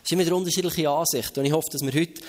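A man with a Swiss German accent preaching a lively sermon, telling a Bible story and acting out the crowds and bystanders with animated flair. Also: a little high, very fast.

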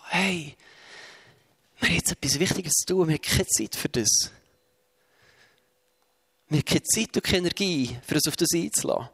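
A man preaching, his voice sitting quite high. He tells the stories vividly and slips into the voices of the people in them. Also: breathy edge. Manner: lively storytelling that acts out the voices of Bible figures. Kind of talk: sermon.

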